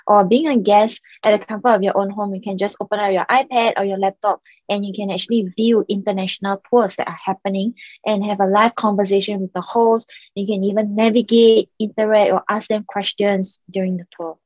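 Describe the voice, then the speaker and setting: A woman's voice: mid-range voice, steady tone, a little fast, darkish tone, dry recording, highs cut off. A young Singaporean woman, a startup founder, chatting casually as a podcast guest and leaning on "like" and "um". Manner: chatty, many "like" and "um" fillers.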